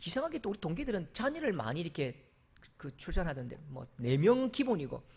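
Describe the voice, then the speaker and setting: A male pastor preaching a sermon in a church sanctuary, emphatic, rising to loud exclamations and dropping to soft asides. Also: fairly high pitch, big pitch swings, brisk, gravelly, husky.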